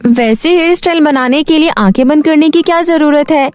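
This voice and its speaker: A woman voicing a confident, demanding young beauty-queen character in a cartoon story, speaking briskly. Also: high-pitched, no room sound, soft background music, pitched above the performer's own voice, close to an everyday voice. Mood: impatient, doubtful.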